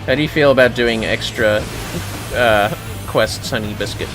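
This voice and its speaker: A man's voice: mid-range voice, normal speed, music in the background, low-quality recording. A man chatting casually and bluntly, with swearing, while he plays a game on a livestream. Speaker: livestream gamer. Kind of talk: casual chat while playing an online game.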